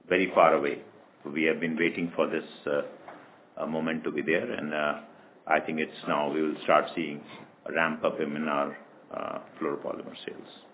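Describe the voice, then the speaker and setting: A dull, lo-fi call recording with faint noise carries a man's deep voice. He answers as a company executive would on an earnings call, measured and deliberate in his phrasing. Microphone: conference call line. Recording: muffled lo-fi call, background noise.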